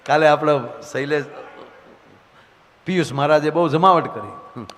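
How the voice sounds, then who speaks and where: Man, folk comedian, high voice, hall reverb, faint noise. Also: a little slow, fairly bright tone. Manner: chatty, teasing, acts out scenes. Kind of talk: live comic storytelling. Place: stage before a live audience.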